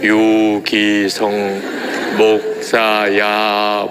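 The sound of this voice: A man puts on a booming character voice at a fairly low pitch. Loud background noise fills the recording.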